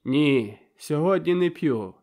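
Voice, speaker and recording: A man's voice: a little high, expressive, measured pace, fairly bright tone. A man voicing a shy but earnest young man in an audiobook, speaking emphatically.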